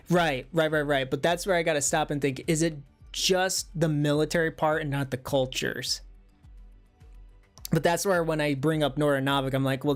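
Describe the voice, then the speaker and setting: A livestream host chatting casually and reading viewer comments, thinking out loud in a hesitant, musing way. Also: medium pitch.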